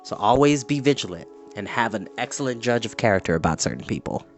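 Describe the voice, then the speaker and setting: A man hosting a storytime, chatty and animated, moving between casual talk and story reading. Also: lowish voice, quick pace. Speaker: storytime host and reader. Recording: music playing in the background.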